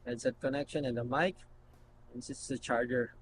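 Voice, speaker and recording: A man hosting a casual unboxing video, talking haltingly as he thinks aloud while handling things. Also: mid-range voice, fairly even intonation, noisy background. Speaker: video host.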